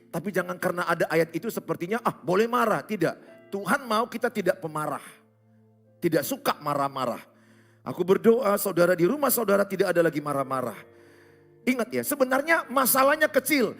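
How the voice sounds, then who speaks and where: A man's voice: fairly high pitch, a bit bright. A man from Indonesia, preaching a humorous sermon as a pastor, often acting out little dialogues. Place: church stage.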